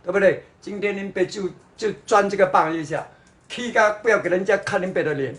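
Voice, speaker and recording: A man's voice: high voice, fairly quick, a bit bright, echoey room. A man from Singapore with a Singaporean Mandarin accent sprinkled with Hokkien words, mocking his viewers in a livestream chat. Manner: mocking, sarcastic, mixes in Hokkien and English.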